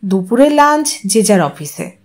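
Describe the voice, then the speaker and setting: A woman's voice: medium pitch, sing-song, a little slow. A woman narrating a literary audio story in a dramatized reading style.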